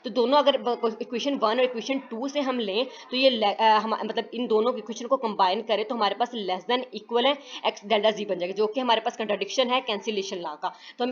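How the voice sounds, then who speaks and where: A woman tutor explaining math proofs in a recorded lecture, halting with fillers and self-corrections, mixing in English terms. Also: a little high, dull audio.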